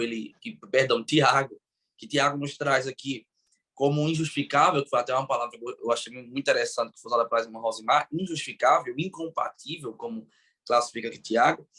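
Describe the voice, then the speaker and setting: A man's voice: medium pitch, a bit bright. A man hosting a Bible study podcast discussion, speaking with enthusiastic, preacherly emphasis and a Brazilian Portuguese accent. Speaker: podcast host.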